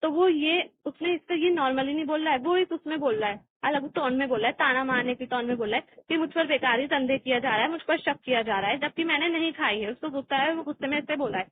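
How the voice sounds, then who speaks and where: A woman teaching an exam-prep lesson. She explains step by step, often restarting her phrases, and reads textbook passages aloud slowly. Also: sits high. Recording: tinny phone-like recording with faint hiss.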